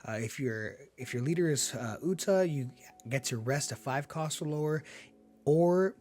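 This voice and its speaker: A man getting over being sick, with a slightly hoarse voice, giving upbeat, laid-back play-by-play commentary on a card game and laughing often. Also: on the high side, normal speed, a little mellow.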